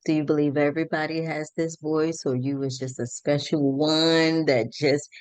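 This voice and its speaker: A woman's voice: sits low, level tone, normal speed, a little mellow, smooth, dry recording. An American woman hosting a conversational, motivational podcast, emphatic and fond of repeating phrases. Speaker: podcast host. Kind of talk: conversational interview, motivational talk.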